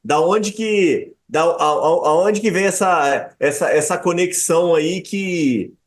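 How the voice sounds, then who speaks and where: A man's voice: fairly high pitch, slow pace. Stammering male podcast host. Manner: stammering repeated words, skeptical follow-up questions. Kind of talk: casual interview chat.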